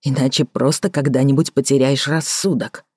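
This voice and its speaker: A woman narrator voicing a calm, restrained man who speaks quietly and in a measured way. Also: rumbling low, husky, no echo, clean studio sound. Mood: restrained, soft. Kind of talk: audiobook character voicing.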